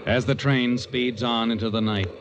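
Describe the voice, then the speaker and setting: A man's voice: medium pitch, steady tone, moderate pace, very noisy, close to an everyday voice. A male actor as the sly, taunting narrator of a 1940s radio crime drama, addressing the character in a knowing, insinuating way. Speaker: host and narrator.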